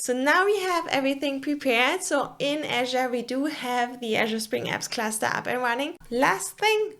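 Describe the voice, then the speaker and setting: A woman's voice: a little high, fairly bright tone. A woman from Germany with a German accent, hosting a developer tutorial and narrating her screen in an upbeat, enthusiastic way.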